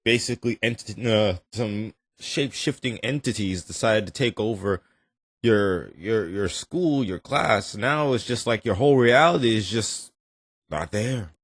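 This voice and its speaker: A man hosting a reaction video, commenting casually in an animated, rambling and emphatic way. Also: on the low side, unhurried, dry recording.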